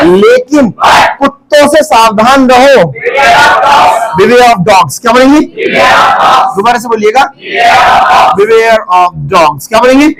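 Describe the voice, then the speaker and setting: Indian-accented male teacher, high loud commanding voice, leads a classroom drill over students chanting back. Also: rough recording. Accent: Indian English. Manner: loud, commanding, repeats prompts. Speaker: English teacher. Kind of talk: classroom drill, call and response.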